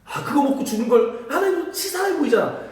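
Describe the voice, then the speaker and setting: A man's voice: very high-pitched, fairly quick. A man preaching a sermon as pastor, telling stories and acting out voices as the congregation answers. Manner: animated storytelling, acts out voices. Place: church sanctuary. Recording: echoey church hall from far off.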